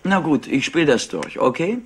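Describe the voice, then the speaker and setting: An actor playing a clever, overexcited and smug rich nephew in a German crime drama, talkative and theatrical. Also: male voice, fairly high pitch, sing-song, normal speed, slight background noise. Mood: eager, theatrical. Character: highly intelligent, overexcited, smug nephew of an industrialist. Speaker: actor dubbing a suspect. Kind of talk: German crime drama dub, animated acting.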